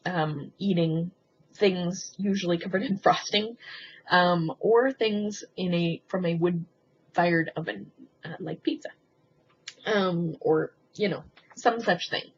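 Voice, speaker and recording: A woman talking in a casual, rambling confessional vlog, hesitant and halting as she thinks aloud with frequent ums. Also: on the low side, breathy edge. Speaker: video blogger. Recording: muffled lo-fi sound with faint background noise.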